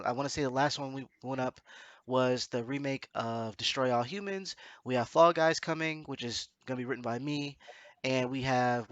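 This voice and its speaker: Male host, bright forceful voice, slightly stuffy nose, rambling casual chat, very dry recording. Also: mid-range voice, dry recording, muffled recording. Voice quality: congested nose from allergies. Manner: hesitant, self-correcting, rambling. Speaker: podcast host.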